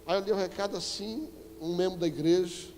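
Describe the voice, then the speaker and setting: A man with a Brazilian Portuguese accent preaching a sermon as an apostle, telling a story with animated emphasis and sudden loud exclamations. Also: sits high, fairly quick, a little hiss or hum. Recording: echoey church hall with faint music.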